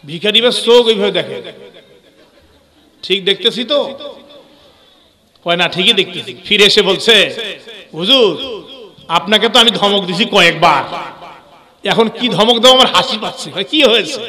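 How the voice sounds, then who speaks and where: A man preaches in a high, piercingly bright voice that carries a long hall echo. He tells the story with lively acted-out dialogue and keeps calling on the crowd to cheer. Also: moderate pace, pauses often. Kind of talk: sermon storytelling at a religious gathering.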